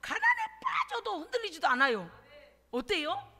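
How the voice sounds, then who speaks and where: A middle-aged woman pastor giving an emotional sermon, swinging from whispers to shouts and acting out prayers. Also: very high voice, wildly swooping pitch, normal speed. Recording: church hall with long reverb.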